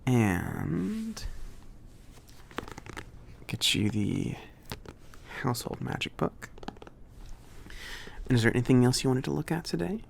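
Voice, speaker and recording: A man playing a friendly, slightly awkward mage shopkeeper in a soft-spoken, hesitant, casual ASMR roleplay. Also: medium pitch, very animated, slow, vocal fry, long pauses, a little hiss or hum, heavily acted. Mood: accommodating, rambling. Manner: hesitant, rambling, accommodating. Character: friendly, slightly awkward male mage running a magic shop.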